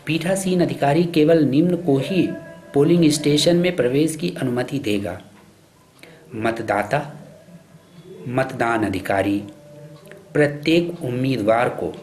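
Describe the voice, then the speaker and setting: A man reading scripted instructional narration for a training film in a formal, measured, instructive way. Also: medium pitch, a little mellow. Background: background music.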